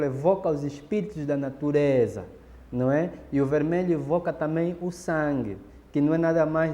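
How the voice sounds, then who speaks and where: A man's voice: medium pitch, warm tone. A man explaining ritual practice in a documentary interview, lecturing and often adding tag questions. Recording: roomy echo with long reverb.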